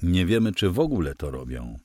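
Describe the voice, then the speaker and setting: A man's voice: low-pitched, big pitch swings, brisk, a little mellow, no room sound, studio quality. A man voicing a weary, gloomy fleet admiral who answers in a heavy, subdued, matter-of-fact way. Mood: grim, explaining.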